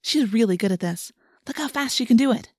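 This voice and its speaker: Woman as audiobook teen girl: confident, polite, responsible, lifted pitch in a dry close recording. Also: lively intonation, brisk, no echo. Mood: assured. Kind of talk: audiobook character voice.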